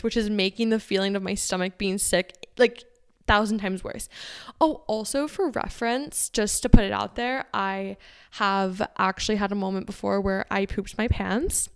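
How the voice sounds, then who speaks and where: Podcast host, woman in her 20s, bubbly and chatty; smooth voice with vocal fry. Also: mid-range voice. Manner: bubbly, chatty, laughs often. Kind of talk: casual chat.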